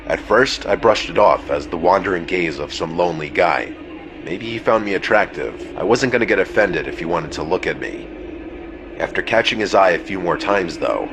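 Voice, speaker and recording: A man reading a first-person horror story as scripted narration, in a measured, somber way that slows and drops low at the ends of phrases. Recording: steady ambient noise bed under the voice.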